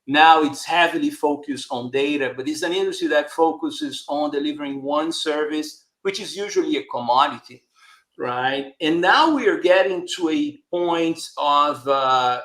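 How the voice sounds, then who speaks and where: This interview guest is a man from Brazil who works as a telecom marketing director; Portuguese is his first language and he speaks with a Brazilian accent. His voice is fairly high and a bit bright, and he replies hesitantly and conversationally, frequently tagging his phrases, in an echoey room.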